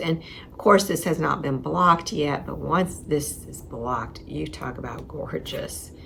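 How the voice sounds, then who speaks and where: This woman talks fairly slowly, with audible room echo and noticeable background noise around her. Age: 60s. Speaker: knitting vlogger. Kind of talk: knitting tutorial vlog. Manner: casual, chatty with hesitations.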